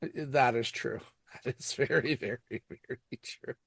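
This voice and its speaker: A man hosting a casual podcast recap, talking in a halting way and often repeating words as he goes. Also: mid-range voice, creaky, a bit bright, breathy edge, no echo, clean studio sound. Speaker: podcast host reviewing TV episodes. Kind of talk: casual episode recap and commentary.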